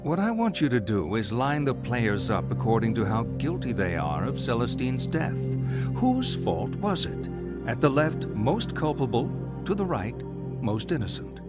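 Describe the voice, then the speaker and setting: An actor playing a composed middle-aged male psychiatrist in a video game, telling things in a deliberate, theatrical way. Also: mid-range voice, sing-song, loud music behind the voice, close to an everyday voice. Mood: storytelling. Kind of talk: dramatic video game monologue.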